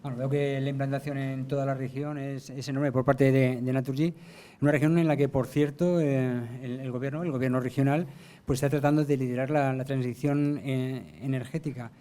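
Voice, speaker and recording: A male interviewer with a Castilian Spanish accent talks briskly in a relaxed, mellow voice. His pitch stays fairly flat as he hosts in a polite, conversational way. Faint ambience sits in the background. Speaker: interviewer, program host.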